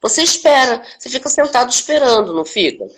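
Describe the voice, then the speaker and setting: A woman's voice: a little high, fast talker. Emphatic older woman, thoughtful. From Brazil. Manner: emphatic, animated, with many tag questions. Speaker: actress, interview guest. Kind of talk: reflective conversation. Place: home, online live stream. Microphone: video call.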